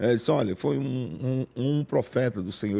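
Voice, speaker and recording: A dark, mellow tone with lively intonation. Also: man. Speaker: self-styled prophet, online preacher. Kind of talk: live-stream prayer and offering appeal. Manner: fast; emotional, fervent.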